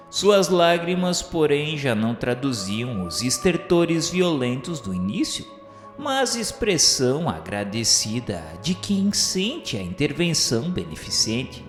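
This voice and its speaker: A man with a Brazilian accent gives a solemn, formal, scripted literary narration in the style of a radio novela. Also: mid-range voice. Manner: solemn, formal, measured delivery. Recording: echoey hall-like reverb, music behind. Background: music.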